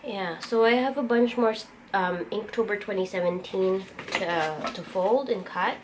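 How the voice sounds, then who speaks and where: In this clip, a young artist vlogger speaks a little slowly in a medium-pitched voice, her light Filipino accent coming through as she muses aloud and organizes her stock. The home studio setting carries noisy ambience.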